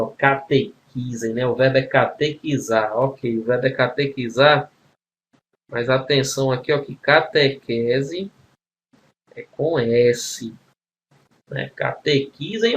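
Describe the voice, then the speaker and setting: A man's voice: mid-range voice, a little hiss or hum. A man teaching a grammar exam-prep lesson, explaining spelling rules step by step and checking in with frequent tag questions.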